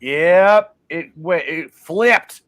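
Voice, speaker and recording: A man's voice: a little high, drawn-out words, fairly bright tone, dry recording. A man hosting a comedy livestream in a loose, chatty way with many fillers. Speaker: host.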